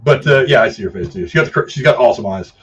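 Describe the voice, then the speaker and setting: A middle-aged man casually giving his opinions in a film discussion, haltingly repeating and rephrasing himself for emphasis. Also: mid-range voice, animated, husky. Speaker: film review show host. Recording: dull, lo-fi sound.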